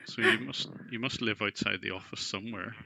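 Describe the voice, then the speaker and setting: A man with a gravelly voice, questioning someone in a persistent, skeptical, conversational way. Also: lowish voice, fairly even intonation, fairly quick, bright, forceful tone, slight background noise, poor audio. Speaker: scam baiter questioning a scam caller.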